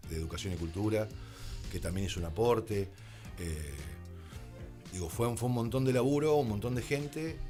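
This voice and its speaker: An Argentine man speaking as a radio guest, explaining things in an articulate, reflective way with deliberate phrasing. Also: low voice. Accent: Argentine Spanish. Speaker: radio guest, radio drama creator. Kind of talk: reflective radio interview conversation. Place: radio studio.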